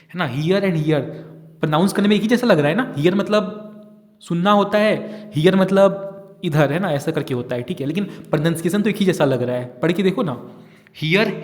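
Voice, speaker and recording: A man's voice: fairly high pitch, big-room sound. A man with an Indian English accent tutoring young students, explaining English questions in a casual, repetitive way and often checking that they follow. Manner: repetitive, keeps asking "right?" and checking understanding. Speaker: online olympiad teacher.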